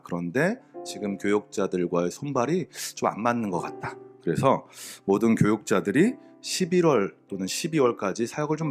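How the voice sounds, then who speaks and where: Man, middle-aged pastor, sermon with personal testimony, conversational, animated pitch, faint instrumental music. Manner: conversational, candid, with soft laughs and many fillers.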